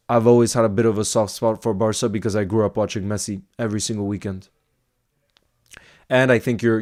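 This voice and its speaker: A man's voice: on the low side, a little mellow. A man hosting a casual football live stream, answering viewer comments in a chatty, thinking-aloud way with small restarts.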